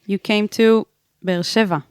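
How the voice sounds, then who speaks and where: A woman's voice: mid-range voice, unhurried, clean tone, dry recording, clean studio sound. A woman in her thirties from Israel hosting a podcast. She reads an earnest scripted intro, then chats casually with her guest. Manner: earnest, then relaxed and chatty. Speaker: podcast host.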